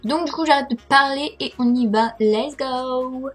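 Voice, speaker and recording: Speaking brisk and high through a headset, a young French-accented vlogger chats through a casual tutorial, showing websites on her screen while hesitating, self-correcting, filling pauses and laughing at herself. Music plays in the background.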